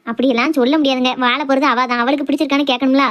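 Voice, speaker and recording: A woman voicing a sharp-tongued, outspoken village wife and mother in a cartoon family drama, scolding and argumentative with a Tirunelveli Tamil accent. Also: high voice, steady tone, dull audio, close to an everyday voice. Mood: concerned, insistent. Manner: scolding, argumentative, rapid complaints.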